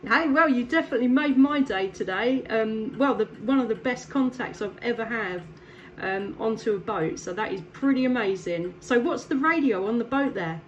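A woman's voice: fairly high pitch, expressive, normal speed, lo-fi sound. A woman from England chatting casually with a distant contact over CB radio from her home station, laughing often and filling gaps with ums. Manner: friendly, laughs often, many fillers. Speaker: CB radio operator.

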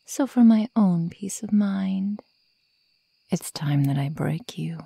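A woman playing a sadistic female werewolf toying with human prey in a breathy, menacing, mockingly sweet ASMR roleplay whisper. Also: medium pitch, expressive, slow pace, warm tone, no room sound, heavily acted. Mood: soft menace.

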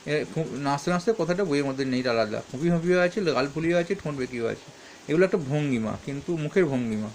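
High-voiced man explaining schoolbook answers. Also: lively intonation, quick pace, darkish tone, slight background noise. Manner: reads questions then answers, stops to correct himself. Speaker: teacher.

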